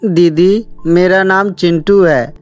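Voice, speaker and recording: A woman as a slow, plaintive little orphan boy. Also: lowish voice, steady tone, soft background music. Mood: grateful, hurt. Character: sad, abandoned little orphan boy, polite and grateful. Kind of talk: cartoon moral story character acting.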